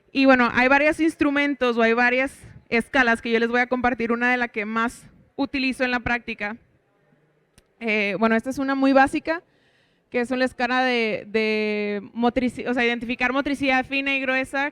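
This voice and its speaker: A woman with a Mexican accent presents to a workshop in a smooth, resonant voice pitched slightly high. She explains her points clearly, and the recording is dry and close with no room sound. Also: a bit bright, dry recording.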